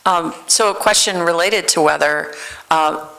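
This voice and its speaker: Low, gravelly woman in the audience. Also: a little slow, a bit bright, poor audio. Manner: questioning. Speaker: audience member.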